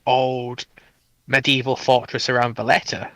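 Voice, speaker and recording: A man's voice: medium pitch, little pitch movement, unhurried, fairly bright tone, no room sound. A man speaking as a panelist in a casual live discussion.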